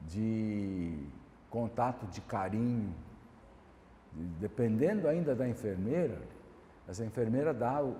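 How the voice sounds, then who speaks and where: Brazilian man, pastor-lecturer, warm low-key tone, measured and repetitive, roomy hall sound. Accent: Brazilian Portuguese. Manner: measured, repeats points, asks "tá certo?". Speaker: pastor and lecturer answering questions. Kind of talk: classroom Q&A answer. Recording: echoey hall, light background hiss.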